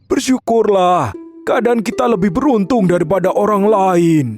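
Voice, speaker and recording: A man voicing a poor, kind-hearted woodcutter father in a cartoon, gentle and worried. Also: sits high, moderate pace, soft background music, lightly acted. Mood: pleading. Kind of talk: cartoon voice acting.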